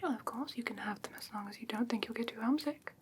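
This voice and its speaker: Woman doing a whispery sweet fairy lady, kinda posh wording, doting, asmr fantasy roleplay, highish voice, some background noise. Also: fast, natural voice. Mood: gentle, pleased. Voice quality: soft, breathy whisper. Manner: gentle, genteel wording with coaxing endearments. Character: sweet, doting, slightly haughty female fae creature adopting humans.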